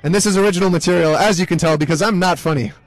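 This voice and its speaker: A young man commentating a live match, mixing play-by-play with deadpan jokes. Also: high voice, very fast, dry recording, low-quality recording. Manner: deadpan joking asides. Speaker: sports commentator. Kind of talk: comedic live sports commentary.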